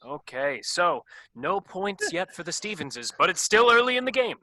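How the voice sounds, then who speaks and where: A man performs an exasperated male game show host in a comedy sketch. The voice is sharply bright and a little high, with lively swings in pitch. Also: normal speed, full character voice. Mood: brisk, chipper. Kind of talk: comedy sketch staged reading.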